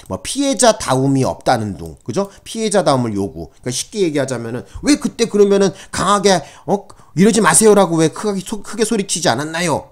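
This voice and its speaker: This middle-aged man speaks at a medium pitch with a somewhat dark tone. He teaches criminal law to exam takers in a conversational manner, leaning on fillers and often checking whether his audience is following along in agreement.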